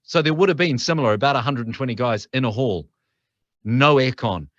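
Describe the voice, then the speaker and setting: Chatty and prone to frequent restarts, a middle-aged man with a New Zealand accent shares stories as a guest in a casual podcast interview. He speaks briskly at a medium pitch, and the recording is dry and lo-fi.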